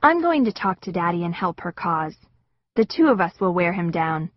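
A woman narrating an audiobook in the first person with an expressive, wistful storytelling manner. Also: fairly low pitch, normal speed, muffled recording.

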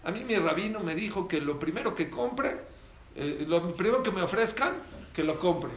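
A man voicing a naive, cheerful poor Hasid who talks in an excitable, high voice in a storytelling sermon. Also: moderate pace, echoey room.

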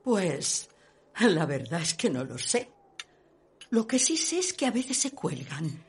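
A woman's voice: fairly low pitch, very animated, slow pace, darkish tone, slightly rough, full character voice. An actress playing a snobbish, gossipy society lady in a radio play, speaking in a haughty, emphatic, theatrical way. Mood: polite. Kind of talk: Spanish radio play acting.

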